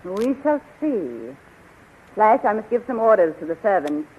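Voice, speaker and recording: A woman's voice: medium pitch, very animated, unhurried, breathy edge. Seductive, imperious queen, swooping voice. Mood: seductive, coy. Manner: coy, commanding. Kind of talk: 1930s radio serial acting. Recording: muffled, lo-fi 1930s radio recording.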